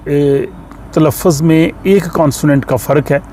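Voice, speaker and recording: Male teacher, slightly higher voice, patient and explanatory, faint street noise. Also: steady tone, warm tone. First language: Urdu. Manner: patient and explanatory, with many pauses and filler sounds. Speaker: language teacher. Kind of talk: explanatory lesson.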